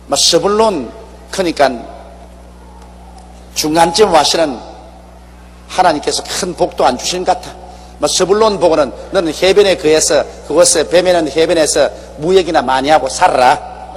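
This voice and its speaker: A man preaching a sermon as pastor, animated and acting out quoted speech, with wide swings between loud emphasis and soft asides. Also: fairly high pitch, in a large hall, slight background noise.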